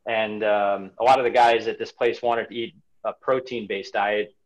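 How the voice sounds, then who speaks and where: Speaking from a room at home over a webcam video call, a runner in his forties reflects on his life in a casual interview, often restarting and repeating words. His voice is fairly low, steady and moderately paced, with the highs cut off.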